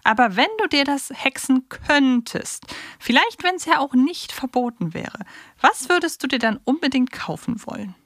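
A woman's voice: high-pitched, lively intonation, normal speed, fairly bright tone, dry recording, studio quality. A woman co-hosting a fan podcast in a casual, chatty style. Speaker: podcast co-host.

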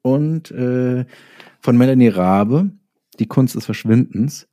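A man's voice: mid-range voice, slow pace, warm tone. A man chatting casually as an interview guest, hesitant and searching for his words as he goes. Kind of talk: casual chat.

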